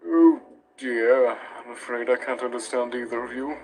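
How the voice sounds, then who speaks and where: A man voicing a gentle, worried monster king in a comic dub. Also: medium pitch, flat delivery, moderate pace, soft background music, natural voice, low-quality recording. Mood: puzzled, concerned. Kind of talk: dramatic comic dub voice acting.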